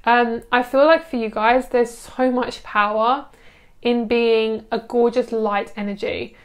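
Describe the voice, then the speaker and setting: A woman's voice: a little high, fairly even intonation, unhurried. A young adult woman giving a chatty, soothing tarot card reading to camera, gushing over the cards with lots of fillers.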